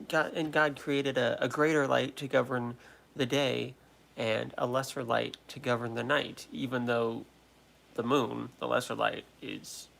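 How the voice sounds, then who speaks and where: Gravelly, creaky young American man chatting. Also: medium pitch, fairly bright tone. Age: late 20s. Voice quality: trouble pronouncing R sounds. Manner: halting, repetitive, self-interrupting. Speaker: livestream host. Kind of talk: casual livestream chat answering viewers. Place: at home.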